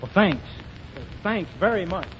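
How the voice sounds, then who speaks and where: High-voiced fussy man, old radio. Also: expressive, measured pace, fairly bright tone, dull audio. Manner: fussy, prim and politely dim. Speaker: comic regular. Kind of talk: 1930s radio comedy. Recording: scratchy 1930s radio broadcast with hiss.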